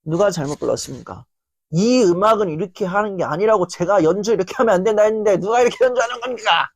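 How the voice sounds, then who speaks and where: A woman's voice: mid-range voice, expressive, fast talker, no echo. A woman playing a scornful male conductor. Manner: cold, cutting insults.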